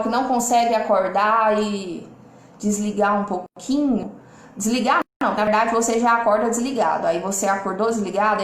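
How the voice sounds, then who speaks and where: A Brazilian woman speaking from home on a live stream, lively and expressive, changing her loudness and tone on purpose as she reads out viewers' comments. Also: on the high side, roomy sound. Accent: Brazilian Portuguese. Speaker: lawyer and online mentor hosting a live.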